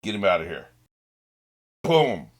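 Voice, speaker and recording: Male reaction host, low register, informal and unscripted, thinks out loud, salty language. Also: sing-song, unhurried. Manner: informal, swearing, musing. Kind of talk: casual off-the-cuff reaction commentary.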